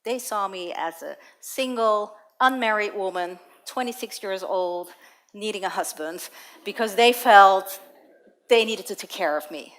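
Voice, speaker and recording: A woman's voice: mid-range voice, unhurried, a bit bright. Woman giving a personal TEDx talk. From Netherlands. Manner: personal storytelling, light laughs, occasional restarts. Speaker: TEDx speaker. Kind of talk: public talk on stage.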